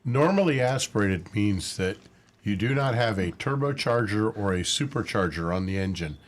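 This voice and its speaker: A man with a low voice explains how engines work in a clear, steady way. He answers a caller's question step by step. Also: normal speed. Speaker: automotive expert. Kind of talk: technical explanation.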